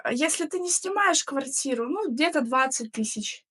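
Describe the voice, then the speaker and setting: A woman's voice: sits high, expressive, normal speed, sharp tone. Hesitant young woman on a video call. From Russian Far East. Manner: hesitant, filler-heavy, unsure. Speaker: chat roulette guest. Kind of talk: casual chat.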